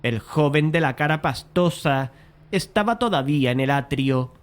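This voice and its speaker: Male actor, painter narrator, lighter-pitched voice, measured, literary, self-blaming, easily frustrated, dramatized horror audiobook. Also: expressive, lightly acted. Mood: measured, uneasy.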